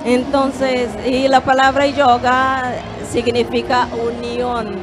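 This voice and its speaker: A Brazilian woman yoga teacher speaking Spanish in a gentle, measured way with small hesitations, on a handheld mic at a fair stand. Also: high-pitched, level tone, over music. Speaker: yoga teacher and holistic therapist. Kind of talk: calm explanatory interview answers. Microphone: handheld microphone.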